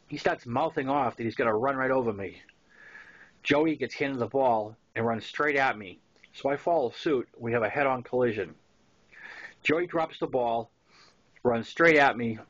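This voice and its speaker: A man's voice: medium pitch, a bit bright. Boston-accented older man reading, dull lo-fi sound. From Massachusetts, US. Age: 60s. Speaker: author reading his own novel. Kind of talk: narrated memoir reading with casual asides.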